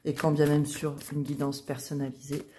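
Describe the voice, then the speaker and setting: A woman's voice: sits low, level tone, normal speed, slight background noise. A woman hosting a casual tarot reading, talking to her viewers in a chatty way with many small fillers. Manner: chatty, many fillers like euh and hein, soft asides. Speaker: tarot reader, channel host.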